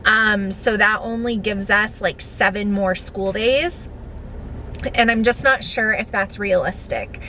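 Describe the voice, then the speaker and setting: American woman vlogging over clear vehicle noise. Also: slow, pushed and bright. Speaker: vlogger and homeschooling mother. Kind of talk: casual chatty vlog. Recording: clearly noisy, vehicle rumble.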